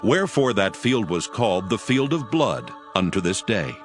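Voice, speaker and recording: A man's voice: fairly low pitch, big pitch swings, moderate pace, faint music behind. A man narrating scripture as a dramatized reading.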